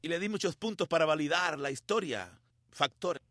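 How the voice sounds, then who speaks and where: A middle-aged man preaching a sermon, telling a personal story with feeling and dramatic pauses. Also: fairly high pitch, sharp tone, dry recording, clean studio sound. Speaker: pastor.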